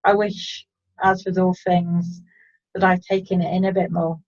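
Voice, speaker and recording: A woman poet giving a calm, reflective reading of her own poem over an online call. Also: lowish voice, normal speed, muffled recording. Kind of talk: poetry reading. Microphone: online video call.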